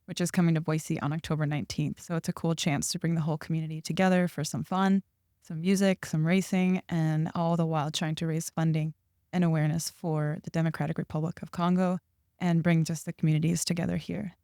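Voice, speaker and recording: A woman's voice: low-pitched, flat delivery, a little fast, mellow, clean tone, no echo, studio quality. A woman hosting a podcast interview, upbeat and encouraging with her guests. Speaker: podcast host. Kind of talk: hosted interview.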